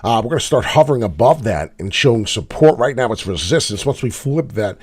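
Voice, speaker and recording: A man's voice: medium pitch, animated, brisk, breathy edge. Rambling man hosting a crypto chart show. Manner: rambling, many "uh" fillers, pleads for likes and subscribes. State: sick, slightly hoarse. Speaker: crypto trading show host. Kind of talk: casual live market commentary.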